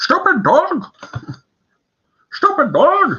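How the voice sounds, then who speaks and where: The voice is a put-on character act. It sits at an extremely high pitch. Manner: grumpy, shouting.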